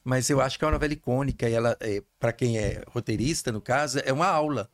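A man from Brazil talks as a guest screenwriter in an interview. He sounds calm and reflective. His sentences often trail off quietly. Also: mid-range voice, fast, dry recording. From Brazil, Belo Horizonte. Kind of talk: interview conversation.

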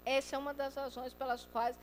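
A high-pitched woman delivers a lively sermon. She acts out quoted voices and swings from loud to hushed. The recording has a long hall reverb with a faint hum behind. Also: fairly quick. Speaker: preacher.

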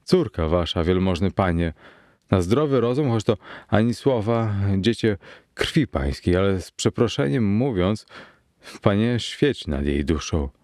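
A man's voice: lowish voice, animated, measured pace, a little mellow, no echo, studio quality. A man voicing a shaken, weary young student. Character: frightened worn-out young male student.

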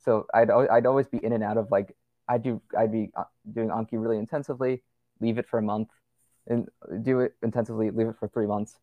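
A man's voice: on the low side, fairly even intonation, fast talker, no room sound, narrow, tinny audio. A young man as a podcast guest, chatting casually and rambling with lots of fillers and restarts. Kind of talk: casual conversational interview.

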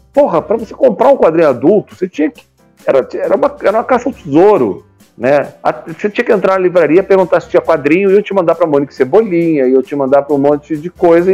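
A man's voice: high voice, darkish tone, highs cut off. A man in his fifties with a Brazilian accent, talking casually and at length as an interview guest, often tagging his points for agreement. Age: 50s. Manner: talkative, colloquial, often seeks agreement with tag questions. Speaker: guest, comics publisher. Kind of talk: casual conversational interview talk.

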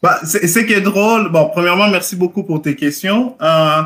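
A man from Montreal of Congolese descent speaking casually and haltingly as a guest in a live interview. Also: high voice, fairly bright tone. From Montreal, Canada, of Congolese descent.

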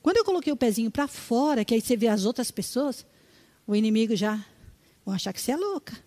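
High-voiced older Brazilian woman telling her story. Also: fast. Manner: animated storytelling with repeated words and quoted dialogue. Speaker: retired schoolteacher giving testimony. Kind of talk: religious testimony.

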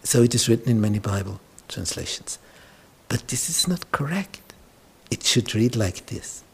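A man's voice: mid-range voice, expressive, breathy edge. A male pastor preaching a sermon, telling the Bible story dramatically and sometimes dropping to a whisper. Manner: slow, dramatic, drops to whispers when retelling scripture.

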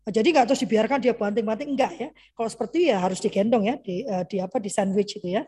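Middle-aged woman, parenting speaker on a video call, lively and fairly high-voiced, mimics kids. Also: fast talker, breathy edge. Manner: lively, mimics children's voices in quoted lines. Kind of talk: conversational online parenting talk.

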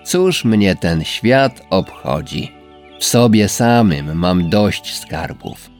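A man voicing a proud, aloof male snail in a storybook reading, speaking slowly and coldly, as if lecturing. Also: low voice, expressive, exaggerated voice. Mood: haughty. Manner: slow, indifferent, lecturing. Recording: faint background music.

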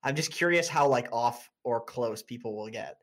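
A man's voice: medium pitch, moderate pace. A young man streaming and chatting casually, blunt and laughing often, with frequent restarts.

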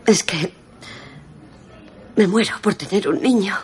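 A woman's voice: mid-range voice, slow, darkish tone, slight background noise, close to an everyday voice. A Castilian-accented woman dubbing a young married woman in a film, talking in a flustered, apologetic way. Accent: Castilian Spanish. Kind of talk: film dub.

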